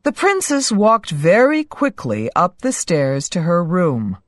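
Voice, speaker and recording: A woman reading a fairy tale aloud as narrator, in a clear, expressive storybook manner. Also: on the low side, takes it slowly, dry recording, clean studio sound.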